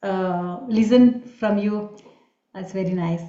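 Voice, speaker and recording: The pace is very slow, with ordinary pitch variation. There is audible room echo. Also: woman. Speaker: meditation channel host. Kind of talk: online meditation group talk. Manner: halting.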